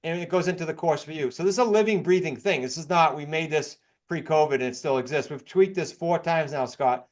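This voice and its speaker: Man, American accent, slightly high voice, fast-talking, informal sales presentation. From New England, United States. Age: middle-aged or older. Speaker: guest, real estate investing coach.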